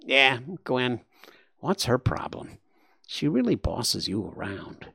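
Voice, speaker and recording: A man voicing a gentle, lonely male warthog in a story, with a nasal voice that sounds full of saliva. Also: mid-range voice, sing-song, takes it slowly, gravelly, breathy edge, dry recording, clean studio sound, full character voice. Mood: friendly. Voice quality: nasal, slobbery.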